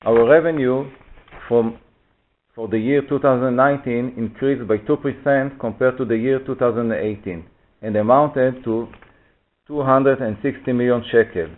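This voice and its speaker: A man with a mid-pitched voice reads a financial presentation in a formal, orderly way. His voice comes through a narrow, tinny phone line. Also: normal speed. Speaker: finance executive presenting results. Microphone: conference call phone line.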